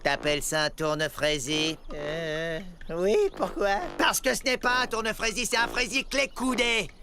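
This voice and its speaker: An actor playing an excitable, bickering, scatterbrained young male worker critter in a children's cartoon, with animated exclamations. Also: mid-range voice, a little slow, over music, lightly acted. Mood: bickering, playful.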